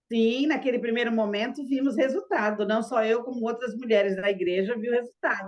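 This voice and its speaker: In a normal speaking voice, a woman talks at a fairly quick pace and fairly high pitch with ordinary pitch variation and hardly any pauses. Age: 60s. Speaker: client of a nutritionist, churchgoer. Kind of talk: casual interview. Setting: podcast recording.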